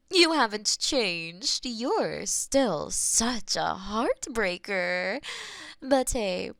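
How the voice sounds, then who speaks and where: A woman voicing a possessive, teasing female demon mistress who is smug and powerful, dropping at times to soft whispers. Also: medium pitch, gravelly, no echo, clean studio sound, heavily acted. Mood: gossipy. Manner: teasing, slow and purring, drops to soft whispers. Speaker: voice actor in an audio roleplay. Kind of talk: audio roleplay acting.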